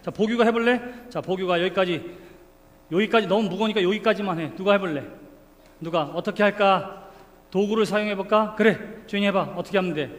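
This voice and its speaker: A man's voice: sits high, brisk. A man leading a playful children's sermon as pastor, coaxing the kids and calling them by name. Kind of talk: children's sermon with a live demonstration. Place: church sanctuary. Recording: reverberant hall, faint room noise.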